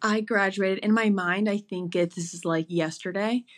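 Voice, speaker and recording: A woman's voice: mid-range voice, fairly even intonation, moderate pace. A woman in her thirties from Florida, a jewelry founder chatting casually as a podcast guest. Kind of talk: casual interview talk.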